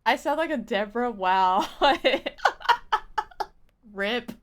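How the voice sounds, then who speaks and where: High, animated, playful young woman streamer. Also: takes it slowly, smooth. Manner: playful, giggly, silly exaggeration. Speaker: game livestreamer. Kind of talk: casual chat with stream viewers.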